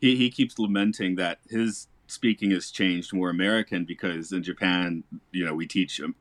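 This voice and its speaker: A man's voice: low voice, steady tone, normal speed, dry recording. A man who teaches English, hosting a casual podcast chat, rambling with restarts and laughing often. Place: lives in Japan.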